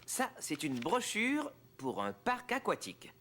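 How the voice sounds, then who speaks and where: A bouncy, cheerful cartoon dad. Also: male voice, sits high, huge pitch swings, unhurried, bright, forceful tone, slight background noise, exaggerated voice. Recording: clear music underneath.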